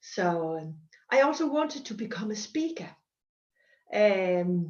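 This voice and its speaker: A woman speaks very slowly with a non-native accent, her pitch swinging very widely. Audible echo fills the room. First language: Danish. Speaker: motivational speaker. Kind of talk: motivational talk. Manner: halting.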